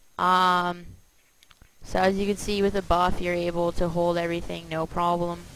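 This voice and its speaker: A fairly low-pitched woman's voice, monotone and flat, at a moderate pace on a very clean recording with a silent background. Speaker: gaming YouTuber. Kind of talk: gameplay commentary tutorial. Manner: stuttering a bit; casual, hesitant with many ums.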